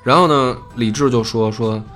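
A man's voice: medium pitch, normal speed, faint music behind. A man, casually telling a history story as a podcast host and acting out the quotes. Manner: lively, acts out quotes in plain voice.

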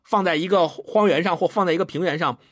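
A man co-hosting a book podcast, reading a passage aloud and then explaining it in an animated way. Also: sits high, fast, no echo, clean studio sound. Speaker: podcast co-host.

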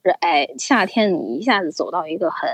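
A young woman casually telling a story as a podcast co-host, with an animated, chatty manner. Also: fairly low pitch, fairly quick, husky, no room sound. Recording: slightly dull, dry recording.

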